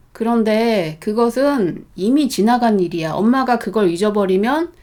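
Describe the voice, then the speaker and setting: This woman has a normal speaking voice, pitched fairly high, with lively intonation at a fairly slow pace. The recording is very clean, with a silent background. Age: 40s. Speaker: mind-study channel host. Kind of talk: casual conversation with her mother.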